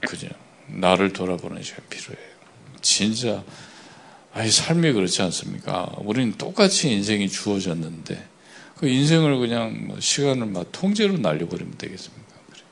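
A man preaching a sermon, often asking the congregation for agreement and swinging between loud emphatic bursts and quiet asides. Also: lowish voice, sing-song, normal speed, gravelly, husky. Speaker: pastor.

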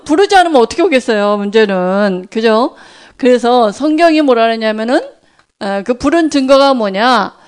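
A middle-aged woman giving a conversational sermon, telling a lively personal story and acting out family dialogue. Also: fairly high pitch, smooth. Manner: chatty storytelling, acts out family dialogue, laughs often. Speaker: church speaker sharing testimony.

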